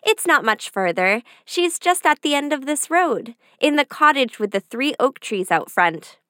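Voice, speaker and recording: A woman's voice: sits high, big pitch swings, unhurried, no echo, clean studio sound, pitched above the performer's own voice, heavily acted. A woman voicing a trusting, cheerful little girl in a red hood, innocent in tone. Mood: helpful. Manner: bright, innocent.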